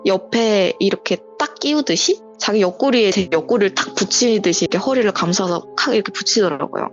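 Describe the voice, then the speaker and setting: Through a muffled phone line with faint music in the background, a woman casually tells her own true story as a call-in viewer. She speaks at medium pitch, animated and brisk, retelling it breathlessly and acting out the dialogue.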